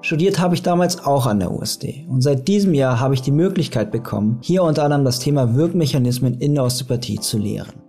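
A young adult man hosting a podcast, reading the intro and asking interview questions in a calm, measured way. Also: mid-range voice, husky, faint music behind. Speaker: podcast host and osteopath.

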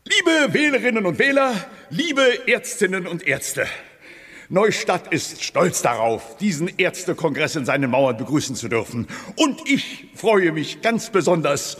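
An actor playing a pompous, hypochondriac small-town mayor giving a speech in a radio play. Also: male voice, high-pitched, expressive, measured pace, a bit bright, full character voice. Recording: hall reverb from an audio clip.

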